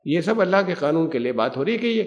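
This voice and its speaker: An Islamic scholar gives a Quran lecture, patiently explaining, posing rhetorical questions, and mixing in English terms. His voice is a little high and very animated, with echoey hall reverb around it.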